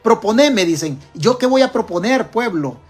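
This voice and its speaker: A man's voice: sits high, lively intonation, normal speed, breathy edge, faint music behind. A man with a Salvadoran accent giving political commentary to camera, emphatic and firing rhetorical questions straight at his audience. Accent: Salvadoran Spanish.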